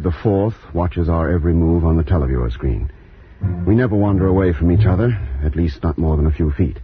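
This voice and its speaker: An actor playing an earnest, apprehensive doctor on a moon expedition in a radio science fiction serial. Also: male voice, deep voice, natural voice. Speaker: actor, narrator. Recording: dull vintage radio recording, music behind.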